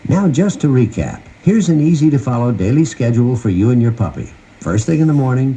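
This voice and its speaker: A man's voice: medium pitch, mellow. A man giving scripted instructional narration in a folksy, conversational manner, recorded on an old cassette tape. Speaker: host of a puppy training guide tape. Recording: noisy 1990 cassette tape transfer.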